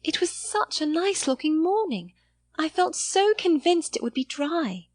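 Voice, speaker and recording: Woman acting an anxious, high-voiced young lady. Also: big pitch swings, unhurried, no room sound, full character voice. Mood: disappointed. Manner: plaintive, earnest exclamations in polite period English. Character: anxious, earnest seventeen-year-old young lady, hopeful then despondent.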